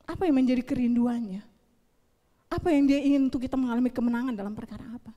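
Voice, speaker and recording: A woman preaching a sermon at a youth service, swinging between loud urging and hushed, near-whispered prayer. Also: fairly high pitch, fast talker, big-room sound, lo-fi sound.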